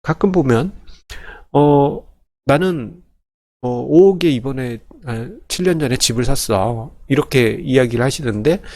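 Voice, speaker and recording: A man's voice: medium pitch, a little slow, darkish tone, dry recording. A man explaining personal finance step by step as an instructor, in a conversational, polite way, often correcting himself. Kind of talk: informal spreadsheet tutorial, explaining step by step.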